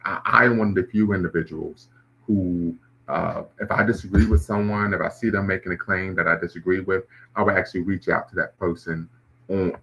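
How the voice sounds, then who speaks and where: Deep raspy guy doing live commentary, chatting with viewers, kinda muffled sound. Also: a bit bright. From Ohio, US. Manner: reacting to clips and chat, conversational. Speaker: host.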